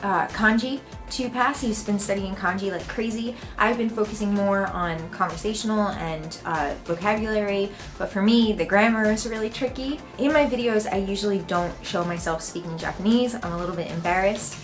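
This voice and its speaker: An American woman talks to her camera at home in a relaxed, chatty way and often laughs. Her voice sits at an ordinary pitch for a woman. Soft music plays faintly behind her. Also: moderate pace, few pauses. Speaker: vlogger. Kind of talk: casual talk to camera.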